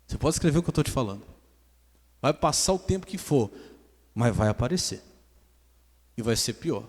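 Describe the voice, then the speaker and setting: A man's voice: mid-range voice, expressive, moderate pace, husky. A man with a Brazilian Portuguese accent preaching a sermon as pastor, asking the congregation questions and telling stories. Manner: preaching with call-and-response questions, then storytelling. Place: church hall. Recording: church hall with long reverb.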